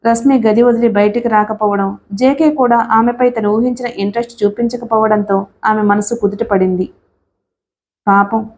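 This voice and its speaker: A woman's voice: fairly high pitch, a little mellow, slight background noise. A woman narrating an audiobook story, voicing every character's dialogue in her own voice.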